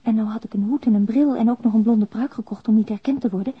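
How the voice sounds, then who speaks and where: A naive young mother in a radio play, reading out her confession. Her voice is high and breathy, intimate and hesitant, close to whispering at times. The dull recording has some room around it. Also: fast talker. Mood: anxious. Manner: intimate, confiding, hesitant, lapsing into near-whispers. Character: anxious, naive young mother confessing a bank robbery by letter. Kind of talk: radio drama monologue, letter read in voice-over.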